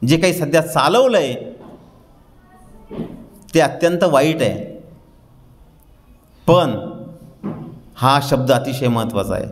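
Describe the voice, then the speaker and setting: A man giving a humorous public lecture, telling anecdotes and dropping his voice to mimic the people in them. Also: mid-range voice. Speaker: guest speaker. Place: library hall.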